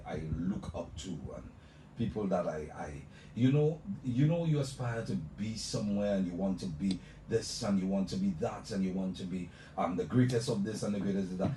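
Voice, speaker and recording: Speaking with a deep, dark voice, a male radio host talks effusively on a live show, saying "let me tell you" again and again as he builds up his guest. The room echoes, the mic sits at a distance, and the recording is noisy.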